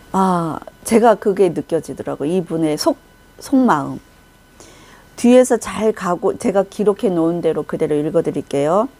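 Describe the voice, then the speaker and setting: Mellow-voiced woman giving a church testimony. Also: on the low side. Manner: vivid storytelling, acting out shouted quotes. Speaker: testimony speaker. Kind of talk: Christian testimony, recounting a vision.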